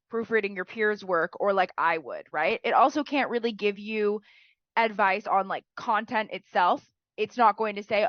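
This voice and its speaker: A woman's voice: fairly high pitch, dry recording, highs cut off. A woman teacher who is sick and sounds nasal, giving chatty writing feedback and often tagging "right?" onto her sentences.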